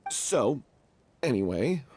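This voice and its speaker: A man acting a defensive, earnest theatre troupe actor in a video game, hesitant and confessional, with a husky voice. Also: mid-range voice, sing-song, slow pace, a little mellow, a little hiss or hum. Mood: heavy confession.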